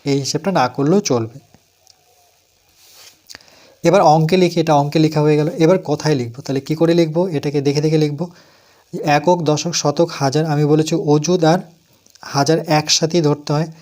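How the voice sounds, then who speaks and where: A man's voice: on the high side, a little mellow. Man with a West Bengal accent teaching math. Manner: counts aloud slowly, asks and answers his own questions. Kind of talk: step-by-step math lesson.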